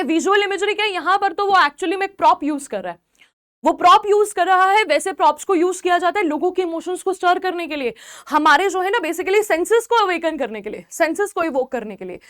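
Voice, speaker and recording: A young woman with a very high voice teaches a literature lesson for exams. She goes through the text line by line, repeating key phrases and checking in with her students. The sound is dry, with no room echo. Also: a bit bright. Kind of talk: exam-prep literature lesson.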